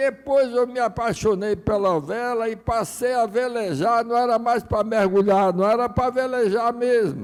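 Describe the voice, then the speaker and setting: A man speaks at a fairly slow pace. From born in Soviet Union, grew up in Brazil. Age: 80s+. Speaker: sailor and lecturer. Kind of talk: lecture. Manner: casual, conversational.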